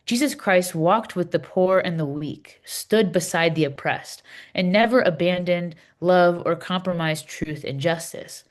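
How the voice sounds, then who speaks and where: A woman reading the part of an earnest, impassioned Palestinian Christian in a scripted readers theater dialogue, speaking deliberately and with emphasis. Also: lowish voice, lightly acted. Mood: earnest, devout. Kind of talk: scripted dialogue read as measured conversation.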